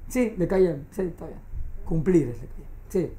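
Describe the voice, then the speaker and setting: A woman's voice: fairly low pitch, animated, measured pace, mellow. A woman teaching a class, explaining patiently and often checking that her students follow. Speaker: Torah teacher. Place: classroom with a small group. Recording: echoey classroom recording.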